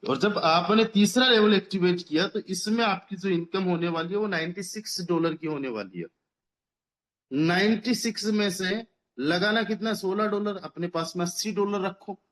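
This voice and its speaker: A man in his thirties giving a motivational business pitch as a team leader, persuasive, repeating phrases for emphasis and mixing English words into his speech. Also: normal speed, fairly bright tone. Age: 30s. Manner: mixes English words into Hindi. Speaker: network marketing team leader.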